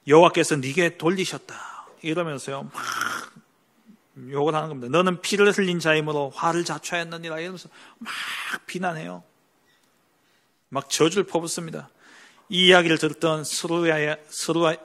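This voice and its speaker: A male pastor giving a Sunday sermon, preaching emphatically with rhetorical questions and swinging between loud stresses and quiet asides. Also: a little high.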